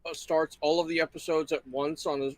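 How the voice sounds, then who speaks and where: A man's voice: on the high side, flat delivery, a little fast, dry recording. A man chatting casually as a panelist on an online call, with a dry, wry way of joking. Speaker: livestream panelist. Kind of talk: casual chat.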